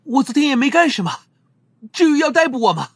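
A man's voice: extremely high pitch, sing-song, a little fast, creaky, a little hiss or hum, voice pushed up, full character voice. A man voicing a smug, flirtatious male crime suspect in an audiobook, teasing and nonchalant.

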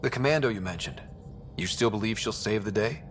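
A man playing a calm, steady space explorer leader. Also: fairly low pitch, a little fast, lightly acted. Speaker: expedition leader. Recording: game audio with soft music behind.

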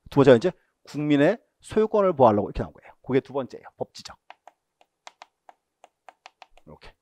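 A man's voice: mid-range voice, darkish tone, dry recording. A male lecturer giving an exam-prep lesson, asking questions and answering them himself, repeating key terms and telling students what to mark in the book. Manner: asks and answers his own questions.

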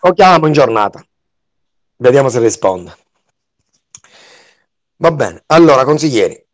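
A man's voice: medium pitch, animated, unhurried. A man with a Sicilian accent who drops in dialect words, chairing a council meeting informally on a video call.

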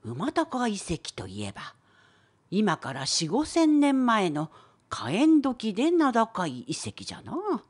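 Woman voicing a husky, creaky wise old professor. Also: mid-range voice, huge pitch swings, takes it slowly, exaggerated voice. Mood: wry, explaining. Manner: old-scholar speech, wry, lecturing. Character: wise old professor of archaeology, opinionated and patient. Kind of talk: scripted educational cartoon dialogue.

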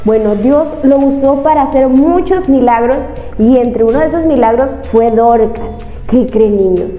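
High sing-song young Mexican woman, echoey. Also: lively intonation, normal speed, lo-fi sound. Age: young adult. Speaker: children's craft show presenter. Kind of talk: storytelling and craft instruction for children. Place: indoor studio with painted wall. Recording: echoey room, music behind.

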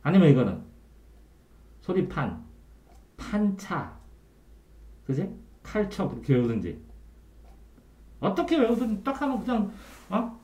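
A man tutoring a student one-on-one in Korean grammar, quizzing him often and trailing off quietly at the ends of phrases. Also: sits high, big pitch swings, measured pace, pauses often. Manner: quizzing the student with frequent checks for understanding. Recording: echoey room.

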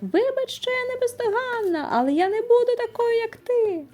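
A woman's voice: very high voice, animated, normal speed, faint music behind, voice pushed up. A woman voicing a stubborn, emotional thirteen-year-old girl in a storybook, pleading and defiant by turns. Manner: pleading, then defiant and shouting.

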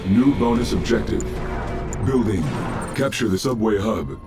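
A man voicing an impassive military battle computer that gives clipped, flat status announcements in a strategy game. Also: lowish voice, unhurried. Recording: loud music and vehicle noise behind. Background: loud game music, vehicles.

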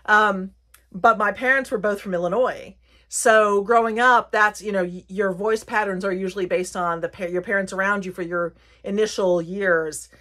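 Casting: middle-aged female vlogger, mid-pitched, slight American South accent, informal and chatty, meandering delivery that corrects itself as it goes. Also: fairly even intonation, normal speed, bright, forceful tone. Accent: light Southern American. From Virginia, United States. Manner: rambling, chatty, self-correcting. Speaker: haul and craft vlogger. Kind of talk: casual chatty haul video.

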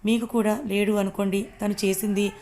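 A woman's voice: medium pitch, level tone, a little fast, warm tone, slight background noise, lightly acted. A woman voicing a fierce middle-aged mother who defends her daughter in a defiant, scolding way.

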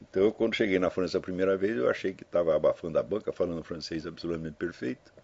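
A husky older man rambles through casual spoken commentary aimed at his listeners, using tag questions and anecdotes. His voice is low, very fast, and a little mellow. The lo-fi recording sounds dull.

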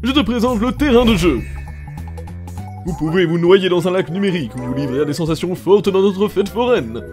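A man's voice: high-pitched, animated, normal speed, over music. A man voicing a manic, cheerful ringmaster of a digital circus in a French cartoon fan dub, with theatrical, grandiose delivery. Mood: showy, exuberant.

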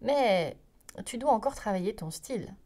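A chatty farm pig rattles off condescending advice in a raised, mellow voice, as a woman puts him on. He is a storybook know-it-all, quick and pushy. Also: medium pitch, animated, natural voice. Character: bossy, chatty farm pig who reads.

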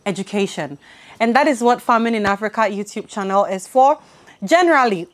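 A young woman presents on an outdoor terrace, speaking through a clip-on mic. She sounds enthusiastic, and her mid-range voice carries steadily as she addresses the viewers. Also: mid-range voice. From Ghana. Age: young adult. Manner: enthusiastic, frequent affirmations. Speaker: channel host. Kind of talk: interview and presenting to camera. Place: outdoor terrace with hills behind. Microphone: lapel mic.

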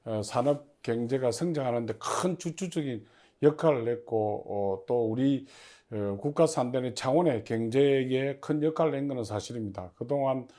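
A man giving formal, prepared interview answers as an agency official, in measured and stiffly official phrasing. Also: medium pitch, mellow. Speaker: head of a public industry agency, interview guest.

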